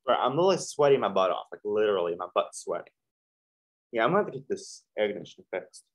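In a cramped, hot studio with a fan whirring, this young reaction-video host talks fast and very animatedly in a fairly low voice. He rambles casually, full of fillers and restarts, all captured with dull lo-fi sound quality.

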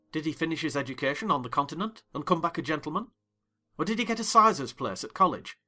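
An impatient, wordy gentleman, acted by a man in a dramatized classic novel. His voice is sharp and swings widely in pitch as he briskly commands. Music plays underneath. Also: heavily acted. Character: impatient convalescent gentleman listener, eager for gossip.

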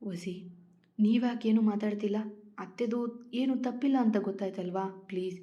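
A woman voicing a gentle young wife who soothes and pleads, in a storybook reading. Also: medium pitch, normal speed, dull audio, natural voice. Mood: pleading. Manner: soft pleading, consoling.

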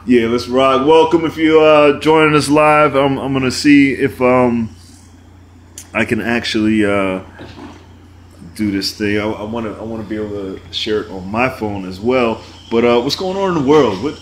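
A male podcast host of middle pitch who rambles along with plenty of restarts and easy laughs. A faint hiss sits under his voice. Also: normal speed. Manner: loose, rambling, laughs often. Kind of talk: casual chat.

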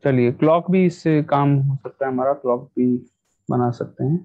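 A man's voice: medium pitch, racing. A man with a South Asian accent teaching maths in an online class, mixing Hindi and English and checking in with short questions. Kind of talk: online class lesson, addressing pupils. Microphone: video call. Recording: dull lo-fi online call audio.

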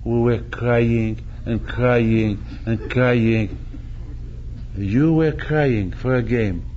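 An older rabbi preaches slowly in a dark, mellow voice, often repeating himself and acting out little dialogues. The sound is a bit dull, with a faint hum behind it. He speaks into a stand mic in a synagogue hall. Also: medium pitch. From Morocco. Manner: animated, gesturing, repeats phrases and acts out quotes. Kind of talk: sermon. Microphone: stand mic at chest.

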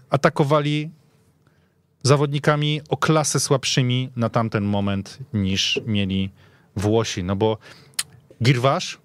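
A man's voice: medium pitch, no echo. A man giving opinionated, conversational football analysis, often checking in with short tag questions. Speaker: football pundit.

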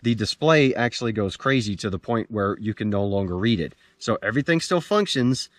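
A man's voice: lowish voice, lively intonation, fairly quick. American man, forties, outdoor gear reviewer, casual, informal delivery, no echo. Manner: plain-spoken, informal. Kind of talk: casual product review to camera. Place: outdoors in a dirt clearing among pines.

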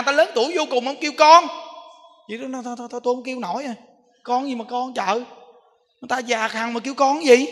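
A Buddhist monk gives a dharma talk to lay followers in a temple hall, his high, bright voice ringing through the long, reverberant space. He speaks conversationally and keeps putting rhetorical questions to his audience.

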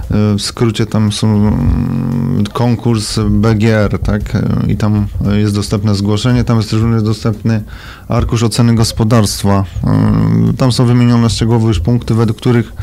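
Man, radio guest, flat delivery, dark tone, halting formal speech. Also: on the low side, vocal fry. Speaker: guest official. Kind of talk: radio interview. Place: radio studio.

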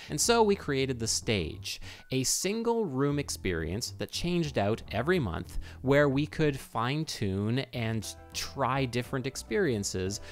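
A man in his thirties talking casually to camera in an animated way, explaining as a video host, close to a microphone in a small home room. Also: medium pitch. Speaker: video host and game music composer. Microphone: microphone on a stand close in front.

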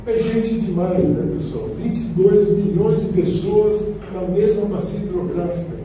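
A middle-aged Brazilian man lectures with a handheld mic, his high, dark-toned voice picked up from the back of a very echoey small hall. He talks in a chatty way, tossing questions and tags at the audience. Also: fairly even intonation, unhurried, slight background noise. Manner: conversational, frequent "né?" tags, addresses audience directly. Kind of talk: public lecture with slides. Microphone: handheld mic, far camera. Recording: echoey room from far off.

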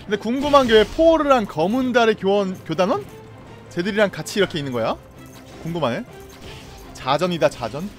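A young man streaming a game live, reacting loudly, laughing and greeting viewers. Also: sits high, expressive, a little fast, faint music behind.

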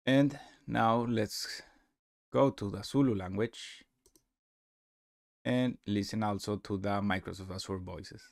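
Low-voiced man explaining software. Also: fairly even intonation, gravelly, no echo, studio quality. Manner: halting, explanatory. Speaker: software demonstrator. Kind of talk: unscripted screen-recording tutorial narration.

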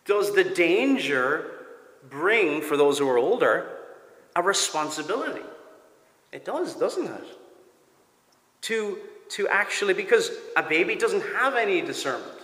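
Man, fairly high forceful voice, pastor preaching, emphatic pauses, long church reverb. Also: big pitch swings. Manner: deliberate, emphatic, with pauses and repeated phrases. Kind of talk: sermon with rhetorical questions. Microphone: gooseneck pulpit microphone.

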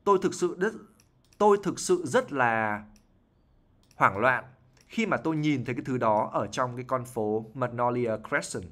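An IELTS teacher explains English words from a novel, his mid-range voice fairly bright, his intonation lively and his pace moderate. He keeps asking "right?" and repeating himself as he explains.

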